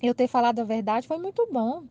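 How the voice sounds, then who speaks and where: A Brazilian woman telling a personal anecdote in a casual, animated way, acting out the people in it and laughing at herself. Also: on the high side, brisk, highs cut off. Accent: Brazilian Portuguese. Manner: animated, laughing retelling with quoted dialogue. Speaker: channel host. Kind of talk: casual storytelling.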